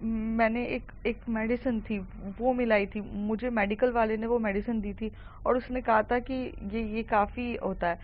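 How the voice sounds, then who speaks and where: A woman's voice: a little high, fairly even intonation, a little hiss or hum, natural voice. A guilty teenage boy, as a woman narrator puts him on, stammers and halts. The voice stays near the narrator's own, on a dull lo-fi recording. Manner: halting, stammering.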